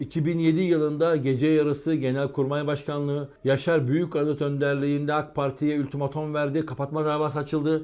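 This man has a dark, mellow tone and a fairly high pitch, and he talks at a moderate pace. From Turkey. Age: 40s. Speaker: political commentator; history show host. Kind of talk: casual chat. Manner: animated. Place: studio. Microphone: lapel.

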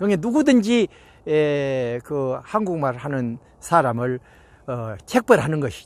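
Speaking very slowly, a man with a fairly high pitch lets his voice make very wide pitch swings. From Korea. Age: 80s+. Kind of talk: personal reminiscence monologue. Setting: outdoors on a mountain. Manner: halting, many fillers.

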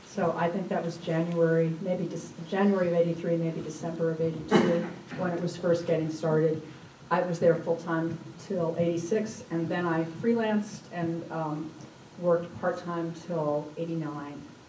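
A woman speaks at a fairly slow pace with a fairly low pitch and a monotone, flat intonation. There is audible room echo and light background noise. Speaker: former associate editor on panel. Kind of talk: panel self-introduction. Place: meeting room. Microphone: camera far.

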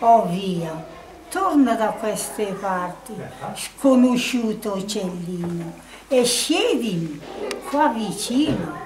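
A woman's fairly high voice at a very slow pace, with long, frequent pauses and noticeable background noise. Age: 80s+. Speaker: reciting a poem. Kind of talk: poetry reading.

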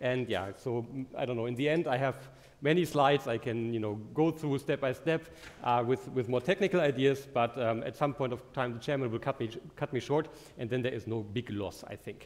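A fairly quick pace with ordinary pitch variation. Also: man. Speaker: conference speaker. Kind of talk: lecture. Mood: relaxed, lightly humorous. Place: hall. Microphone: headset.

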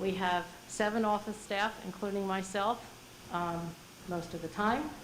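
Her medium-pitched voice carries fairly even intonation at a fairly slow pace. Audible room echo surrounds this woman's speech. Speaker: school transportation director. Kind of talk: presentation at board meeting. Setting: board meeting room, hybrid. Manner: hesitant, many fillers.

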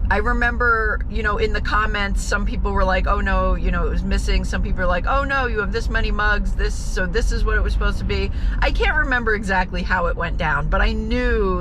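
A woman talks at a fairly quick pace with hardly any pauses, in a dry sound with no echo and noticeable background noise. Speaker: reseller vlogger. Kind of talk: casual vlog chat. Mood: chatty, upbeat. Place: car. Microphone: phone near.

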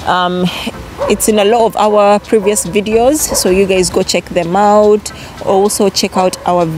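Over faint background music, a woman speaks at a fairly slow pace with fairly even intonation, the sound dry with no echo. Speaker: vlogger. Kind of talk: casual vlog chat. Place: waterside. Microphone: phone near.

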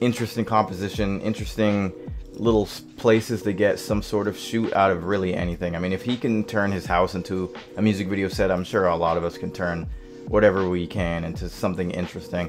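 Over clear music in the background, a man with a very deep, low pitch talks very fast in fairly even intonation. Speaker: filmmaker youtuber. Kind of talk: casual vlog chat. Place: home room. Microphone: studio mic.

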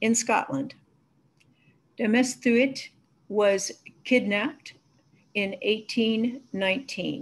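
Somewhat breathy and fairly high in pitch, a woman speaks at a very slow pace with ordinary pitch variation. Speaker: anthropology professor. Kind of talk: lecture. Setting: video call. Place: home room. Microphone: webcam.

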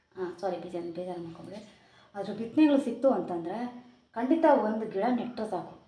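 Her medium-pitched voice echoing audibly in the room, a woman speaks with lively intonation and big swings in loudness. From Bangalore, India. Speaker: lifestyle vlogger. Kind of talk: casual vlog talk to camera. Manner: animated.

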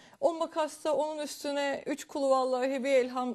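Over a quiet background, a woman speaks at a high pitch and a moderate pace. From Istanbul, Turkey; Turkey. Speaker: interview guest. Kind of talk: testimony. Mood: calm, reflective storytelling. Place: studio. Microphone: lapel.

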